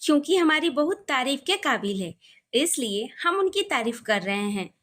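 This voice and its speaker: A woman reading the part of a calm, approving middle-aged father. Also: high voice, normal speed.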